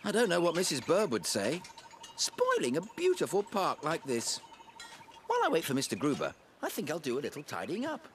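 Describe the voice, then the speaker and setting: Paddington, a high-voiced polite young bear. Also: male voice, wildly swooping pitch, brisk, a little hiss or hum. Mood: earnest, observant. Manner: polite, earnest, proper. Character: polite, earnest young male bear from Peru, well-meaning. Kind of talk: animated cartoon character acting. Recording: loud music under the voice. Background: music.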